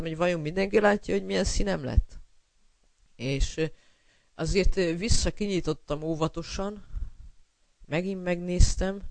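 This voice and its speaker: A man preaching a sermon in earnest, pausing with fillers, calling listeners brother and telling personal stories to illustrate scripture. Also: fairly high pitch, dry recording.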